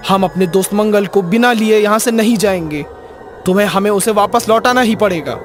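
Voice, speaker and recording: A man's voice: sits high, brisk, pitched above the performer's own voice, natural voice. A man voicing a curious, joking boy in casual cartoon story dialogue. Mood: defiant. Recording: music behind the voice.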